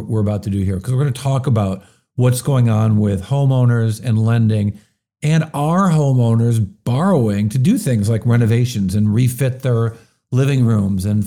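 A man's voice: mid-range voice, moderate pace, dark tone. A man hosting a business talk show, talking in a chatty, opinionated way with plenty of fillers. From US Midwest. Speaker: show host.

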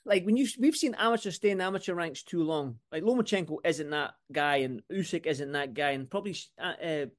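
A man's voice: fairly high pitch, brisk. A man with a Scottish accent talking casually and ramblingly as a sports podcast host, repeating phrases for emphasis. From Scotland.

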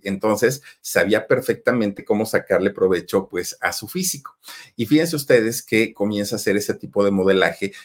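A man with a Mexican accent telling a gossip story in a chatty way, talking straight to his listeners. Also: on the low side. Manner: chatty, addresses listeners directly, many fillers. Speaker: storytelling host.

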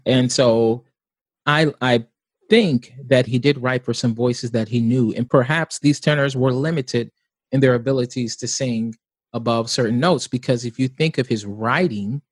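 Earnest tenor talking in a dry room. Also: male voice, medium pitch, dry recording. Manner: thoughtful, earnest explaining. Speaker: opera tenor, guest. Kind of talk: interview answers.

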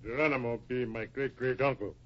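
An actor playing a stoic, dry-witted ranch hand who speaks terse, stereotyped broken English in a 1950s radio western. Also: male voice, medium pitch, a little fast, lightly acted. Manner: terse, clipped, deadpan pidgin phrasing. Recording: muffled old radio recording.

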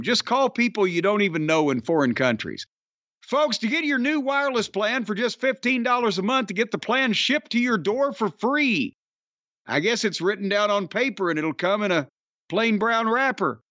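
An older man with a Southern American accent, high-voiced and rambling, cursing and joking his way through casual talk. His voice comes across dry and close, a little dull in tone. He hosts the show and keeps the sarcasm going throughout. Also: big pitch swings, normal speed, sharp tone, no echo. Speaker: podcast host. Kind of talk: casual chat and ad read. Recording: dry, slightly dull audio.

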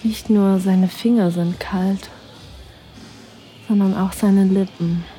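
Woman reading a steamy audio drama, super slow, warm mellow voice, breathy, soft music behind. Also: medium pitch, steady tone. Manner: breathy, sensual, drifting into whispers. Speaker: narrator. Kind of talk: intimate first-person audio drama narration.

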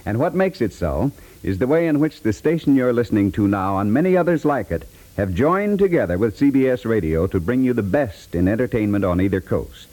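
A male network announcer in the 1950s radio style. His voice is mellow and medium-pitched, with lively rises and falls. He delivers scripted promotion in a polished way.

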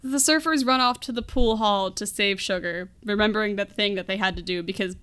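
A woman's voice: medium pitch, brisk, fairly bright tone, clear, resonant tone. A woman co-hosting a podcast, casually recapping a film as a giggly, wry storyteller with mock-dramatic asides. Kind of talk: casual comedic movie recap chat.

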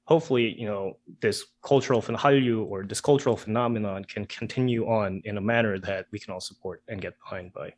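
Low-voiced man, Korean native speaker. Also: steady tone, a little fast, hardly any pauses. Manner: earnest, full of "you know" and "like" fillers. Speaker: author and interview guest. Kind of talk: casual conversational interview.

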